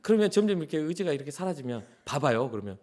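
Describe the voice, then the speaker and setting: A middle-aged man preaching a sermon as a church pastor, in a conversational way, acting out quotes and sometimes dropping to a soft whisper. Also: medium pitch, sing-song, a little fast. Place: church sanctuary.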